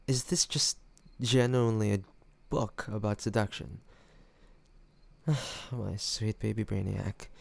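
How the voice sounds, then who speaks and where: A man's voice: mid-range voice, creaky, darkish tone. A man acting a cocky young student in an audio roleplay, teasing and mocking an academic rival. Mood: incredulous, amused, then mocking, amused. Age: young adult.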